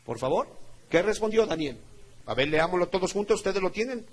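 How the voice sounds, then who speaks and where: A man with a Mexican Spanish accent preaching a sermon as pastor, swinging from loud emphatic peaks to low quiet asides. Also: big pitch swings, a little fast.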